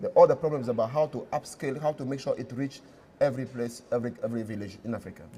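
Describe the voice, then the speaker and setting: At a very fast pace, a man talks with a dark, mellow tone, a medium pitch and fairly even intonation. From Togo. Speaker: environmental NGO director. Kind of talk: interview. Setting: conference. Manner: halting, frequent stammered restarts.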